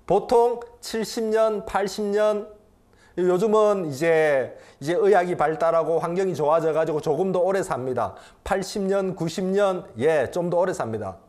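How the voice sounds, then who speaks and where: This is a high-voiced man in his fifties, a pastor delivering a sermon at a moderate pace. His delivery rises to loud emphasis and drops to quiet intimacy, with phrases repeated for effect.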